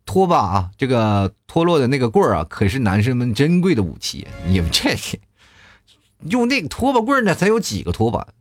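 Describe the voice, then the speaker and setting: Chatty man with a lively voice. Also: medium pitch, brisk. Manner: chatty, acts out quoted lines loudly. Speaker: streamer reading viewer comments. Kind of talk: casual chat.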